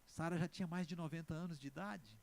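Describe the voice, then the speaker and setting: A pastor with a Brazilian Portuguese accent preaches in a voice that's a little high and creaky. Emphatic throughout, he swings from loud exclamations to slow, stressed words and keeps asking the congregation to answer.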